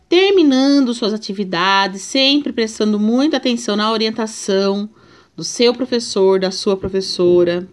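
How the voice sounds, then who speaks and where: A Brazilian woman teaching a remote reading lesson to young children, patiently drawing out each syllable. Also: mid-range voice. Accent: Brazilian Portuguese. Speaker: primary school teacher.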